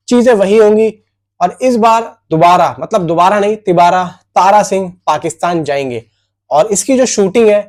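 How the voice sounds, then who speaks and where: A man's voice: high voice, darkish tone. A man presents film news. He speaks informally, as if chatting with his viewers, often putting questions to them and answering them himself. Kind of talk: casual film news commentary.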